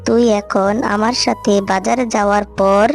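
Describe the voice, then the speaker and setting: A woman's voice: mid-range voice, fairly even intonation, normal speed, gravelly, faint music behind, close to an everyday voice. A woman voicing a poor widowed mother fox in a cartoon, who scolds her daughter and begs a shopkeeper for credit. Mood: refusing. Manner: scolding yet pleading. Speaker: narrator as well. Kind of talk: cartoon voice acting.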